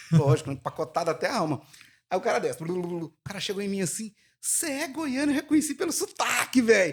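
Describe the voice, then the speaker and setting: A man speaks at a very fast pace in a high voice, his pitch swinging very widely. The recording is very clean, with a silent background. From Goiânia, Brazil. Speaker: music producer. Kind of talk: casual chat.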